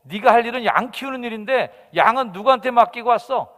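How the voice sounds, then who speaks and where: A man's voice: very high-pitched, fairly quick, a bit bright, voice pushed up. A man voicing a harsh, scornful older brother who scolds and mocks his younger brother. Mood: scolding. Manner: scolding, mocking. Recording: long hall reverb.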